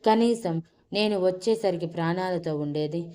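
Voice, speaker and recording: A woman voicing a grief-stricken young man who shouts through tears at a friend in a storybook reading. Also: fairly high pitch, steady tone, normal speed, clean tone, natural voice. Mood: sobbing anger.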